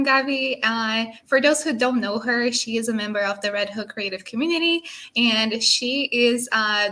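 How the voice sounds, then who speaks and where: A woman's voice: a little high, pushed and bright. A woman hosting an online panel who welcomes everyone and introduces the guests over a video call. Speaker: host.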